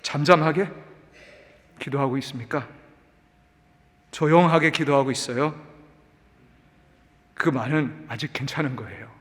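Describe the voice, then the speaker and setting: A male pastor preaching a sermon in an animated way, dropping English words into his talk. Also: a little high, measured pace, long pauses, in a large hall. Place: church sanctuary.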